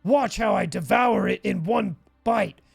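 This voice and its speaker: Brief: man playing a fast, gravelly braggart gorging himself, rpg scene. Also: high-pitched, dry recording, faint music behind, heavily acted. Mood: boastful. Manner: boastful, loud, fast.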